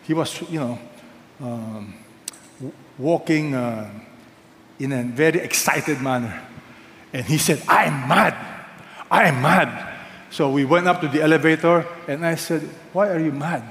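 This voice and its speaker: A man's voice: on the high side, unhurried, echoey room, long reverb tail. An older man preaching a sermon as pastor, emphatic, repeating key phrases and asking the congregation questions.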